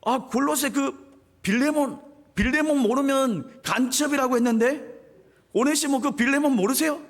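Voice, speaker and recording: A man voicing an eager, warm-hearted elderly apostle who talks excitedly and repeats himself. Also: sits high, moderate pace, gravelly, in a large hall, voice pushed up, exaggerated voice.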